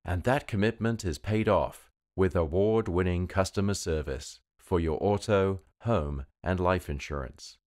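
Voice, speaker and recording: A British man delivering polished commercial voice-over with measured, deliberate phrasing. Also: low voice, a little mellow. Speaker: voice-over artist.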